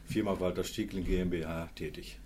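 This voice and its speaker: A man in his sixties, a sales manager, speaking earnestly and in a measured way as a radio guest. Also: low voice, fairly even intonation, darkish tone, slight background noise. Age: 60s. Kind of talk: radio interview.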